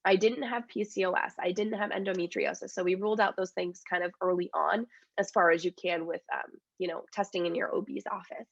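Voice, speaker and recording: A congested woman in her thirties, her voice gravelly with fry, talks openly and casually with plenty of fillers. The sound is dry and a little dull, as over a video call. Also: on the low side, fairly even intonation, a little fast, dry recording. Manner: open, chatty, many fillers. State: congested from a cold. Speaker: dietitian and author, interview guest. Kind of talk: casual interview chat.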